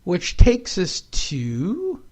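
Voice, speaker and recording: A man talks with a slightly higher voice, hosting a casual show in a rambling, wisecracking way. He drifts from topic to topic and throws in jokes along the way. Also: huge pitch swings, very slow, husky. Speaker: podcast host. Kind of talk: casual chat.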